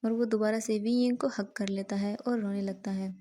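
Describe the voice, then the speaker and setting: A woman reading her own fan-fiction story aloud in a steady, plain storytelling manner. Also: mid-range voice, moderate pace.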